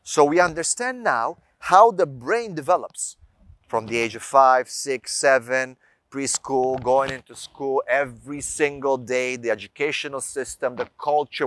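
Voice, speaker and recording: A man speaks in a mid-pitched voice, recorded close and dry. He lectures informally to viewers like a teacher of faith and family matters, stressing his points and posing rhetorical questions. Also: unhurried, fairly bright tone, no room sound. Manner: didactic, emphatic, rhetorical questions and listed examples. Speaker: speaker giving religious and parenting advice.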